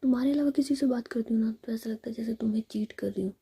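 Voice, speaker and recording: A woman's voice: fairly high pitch, very fast, warm tone, slightly rough. Woman whispering as a playful, anxious young bride-to-be.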